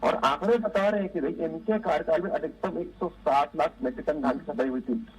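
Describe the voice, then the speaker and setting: A man's voice: on the high side, a little fast, breathy edge, poor audio. A man speaking assertively as a ruling party spokesperson in a TV political debate, defending his side insistently.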